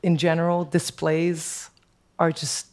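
Speaking in a slow, flat delivery, this woman is a music producer whose voice is deep and dark. She's a podcast guest in casual conversation, keen yet hesitant, with frequent fillers and false starts.

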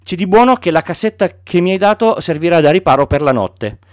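A man's voice: high voice, animated, brisk, no room sound, clean studio sound, pitched above the performer's own voice. A man voicing a curious, earnest little boy prince who asks innocent, insistent questions.

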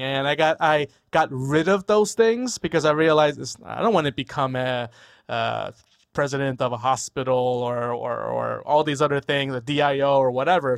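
A man's voice: fairly high pitch, creaky. A man from New York, a physician talking reflectively as a guest, often restarting and checking in with "right?". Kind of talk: casual interview conversation.

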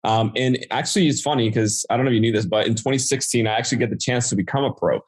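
A marketing entrepreneur from the Dominican Republic, a native Spanish speaker with a Dominican accent, casually tells his story as a podcast guest. His mid-range voice is slightly rough and comes out rapid-fire.

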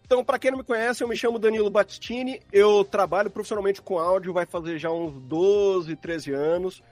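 High-voiced Brazilian man, dry close sound. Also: fairly even intonation, brisk, darkish tone, no echo, soft background music. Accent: Brazilian Portuguese. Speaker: podcast guest, audio producer. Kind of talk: casual chat.

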